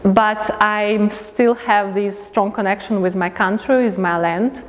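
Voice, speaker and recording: A woman from Latvia gives a prepared lecture as an artist in English, halting as she looks for words. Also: medium pitch, steady tone. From Riga, Latvia. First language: not English. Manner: halting, pausing to find words. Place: indoor museum lecture space. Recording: long reverberant hall.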